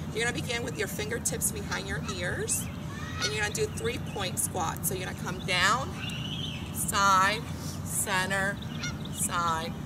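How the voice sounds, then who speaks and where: Long, frequent pauses against loud background noise. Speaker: fitness instructor. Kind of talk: guided group workout class. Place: open country.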